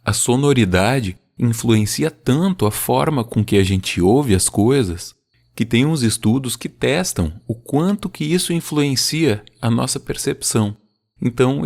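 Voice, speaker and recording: A man hosting a podcast, explaining poetic rhythm in a relaxed, teacherly way and slowing down to stress the beat of his examples. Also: medium pitch, gravelly. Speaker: podcast host. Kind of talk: casual explanatory talk about poetry.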